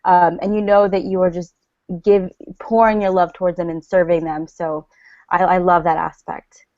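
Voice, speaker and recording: A woman's voice: lowish voice, flat delivery, normal speed, darkish tone, no echo. Woman, stay-at-home mother, chatty and bubbly, lots of fillers, dry muffled call audio. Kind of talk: casual online group chat. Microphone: video call.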